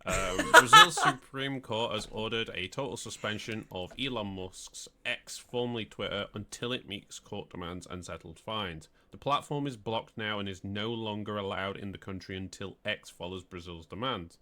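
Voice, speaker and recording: A man's voice: on the low side, normal speed, few pauses. A man co-hosting a podcast, reading news headlines and chatting about them loosely. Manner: relaxed, reads headlines then chats loosely. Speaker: podcast co-host. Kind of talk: casual chat, reading news items.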